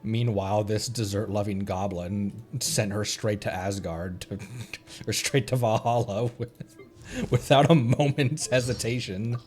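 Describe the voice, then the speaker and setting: A man's voice: lowish voice, unhurried, darkish tone, soft background music. A man giving casual commentary as he streams a video game.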